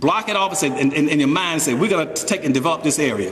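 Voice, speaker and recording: Amid noticeable background noise and audible room echo, a man talks at a very fast pace in an animated tone, with a fairly high pitch and ordinary pitch variation. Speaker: economist and public speaker. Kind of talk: speech.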